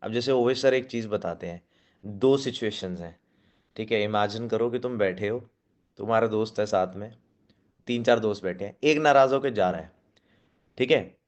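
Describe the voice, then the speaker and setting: Man coaching his sales team. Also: lowish voice. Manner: coaching, checks in often with a quick question, mixes in English phrases. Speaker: network marketing team trainer. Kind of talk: live training talk to a seated team. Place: meeting room with team present.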